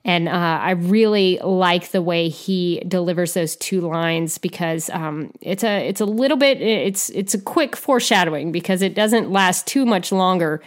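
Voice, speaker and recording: A woman with a fairly low voice chats about a film scene in a podcast. She often restarts her sentences and fills gaps with "uh" and "um". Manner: halting, many restarts and fillers. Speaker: podcast co-host. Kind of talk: casual film discussion.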